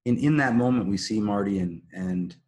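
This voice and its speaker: A man's voice: lowish voice, moderate pace, a little mellow. A man talking casually as a podcast host, analysing and explaining an episode in a recap style.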